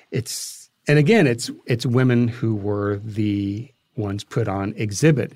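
Halting man telling anecdotes, dry close sound. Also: fairly low pitch, darkish tone, no echo. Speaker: interview guest, filmmaker. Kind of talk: interview anecdotes, conversational storytelling.

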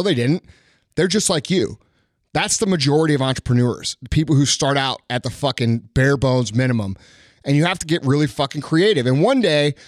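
A man's voice: medium pitch, no echo, studio quality. A man giving casual motivational business advice as a podcast host, blunt and sweary.

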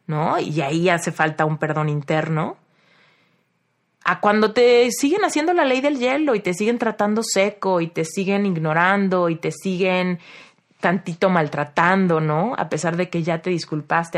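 Mexican woman host, somewhat low voice, chatty reflective monologue, personal anecdotes with repeated phrases. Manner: storytelling, repeats phrases for emphasis. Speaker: podcast host and life coach. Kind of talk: casual reflective podcast monologue.

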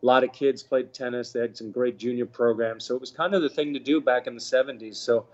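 A man in his fifties from the Bahamas, telling his story in a relaxed, chatty interview with lots of fillers. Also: mid-range voice, brisk, dull audio. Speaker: guest, former tennis pro. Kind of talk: casual interview talk.

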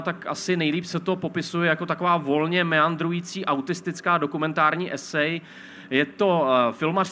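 A man's voice: fairly high pitch, sharp tone, slight background noise. A man co-hosting a live film podcast on stage, talking in long, analytical sentences. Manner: wordy, analytical. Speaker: podcast co-host, film critic.

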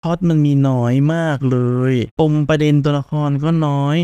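A man's voice: a little high, fairly even intonation, moderate pace, warm tone, clean tone, dry recording, highs cut off. A man giving frank, blunt opinions in a casual film review chat. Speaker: podcast co-host.

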